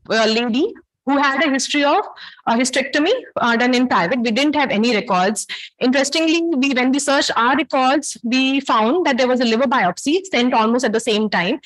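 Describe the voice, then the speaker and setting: A woman with a South Asian accent speaks in a high voice as she teaches. She lectures through cases in a didactic, academic way and turns to her listeners with questions. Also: brisk, a bit bright, low-quality recording. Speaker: medical lecturer. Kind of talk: interactive academic case-based lecture.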